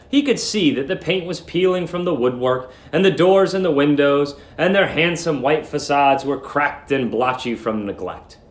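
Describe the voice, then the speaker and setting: A man with a mid-range voice speaks as a teacher leading a live reading. His delivery is that of someone presenting and narrating a story to students. The room adds a clear echo around the voice. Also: medium pitch. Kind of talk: live read-aloud lesson, dramatic story narration. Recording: roomy echo.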